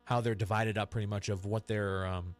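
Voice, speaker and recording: A man's voice: lowish voice, little pitch movement, brisk, faint music behind. A man hosting a local radio talk show, chatting casually about politics with many restarts and trailing thoughts.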